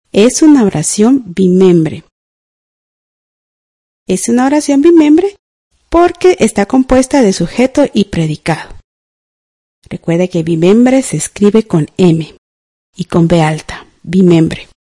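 A woman's voice: a little high, expressive, measured pace, warm tone. A woman teaching a scripted radio grammar class. She is patient, spells words out and checks in with the listener.

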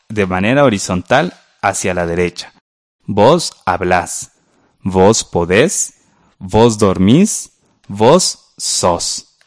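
A man with a Guatemalan Spanish accent teaches verb forms from a textbook, patient and clear, often checking in with rhetorical questions. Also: fairly low pitch, darkish tone, dry recording, clean studio sound. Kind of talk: textbook grammar lesson.

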